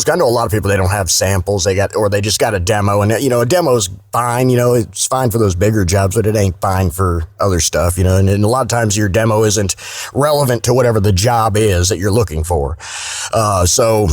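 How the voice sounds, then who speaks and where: A man's voice: fairly low pitch, brisk, no echo, studio quality. A man with a Southern US accent chatting casually as a podcast guest, folksy, colloquial and salty in his wording. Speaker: guest, voice-over artist.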